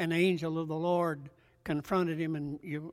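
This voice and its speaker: Here a man talks at a high pitch and a moderate pace. The recording is very clean, with a silent background. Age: 80s+. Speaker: pastor. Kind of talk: sermon. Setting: church.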